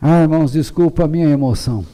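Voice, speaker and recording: A middle-aged pastor with a Brazilian Portuguese accent preaches a passionate sermon at a quick pace. He shouts at the peaks, then drops low and calm.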